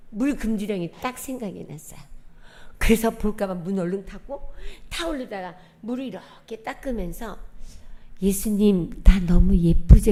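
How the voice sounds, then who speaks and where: Mellow-voiced woman sharing a testimony. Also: a little high. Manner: lively storytelling, acting out quoted dialogue. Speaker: church member giving testimony. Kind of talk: personal testimony at a worship service. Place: church sanctuary.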